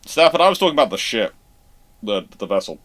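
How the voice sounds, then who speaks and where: A man's voice: mid-range voice, sing-song, fairly bright tone. A man hosting a casual live question-and-answer chat, stammering through false starts and repeating himself. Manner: halting, stammering false starts and self-repetition.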